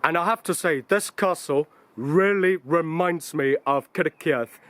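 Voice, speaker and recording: A man with a slightly high voice talks through a casual travel vlog as he walks outdoors among castle ruins. He thinks aloud, filling pauses with ums and uhs, and the sound comes from a camera mic carried along the walk. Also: fairly bright tone, dry recording. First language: English. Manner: chatty, thinking aloud with frequent fillers. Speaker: vlogger.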